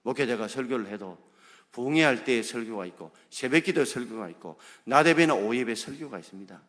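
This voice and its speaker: A man's voice: mid-range voice, lively intonation, brisk, fairly bright tone. A male pastor preaching a sermon, driving his points home with rhetorical questions to the congregation. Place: church sanctuary. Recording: long hall reverb.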